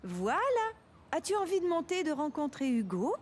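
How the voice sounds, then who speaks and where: A woman voicing a patient, gentle mother in a cartoon, explaining things to her young son. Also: sits high, sing-song, fairly quick.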